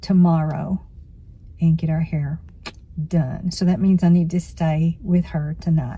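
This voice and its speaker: A woman speaks slowly, with long, frequent pauses. Her somewhat breathy voice is dark and mellow, and her intonation is monotone and flat. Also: fairly low pitch for a woman. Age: 60s. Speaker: retired teacher. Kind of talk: casual vlog talk to camera.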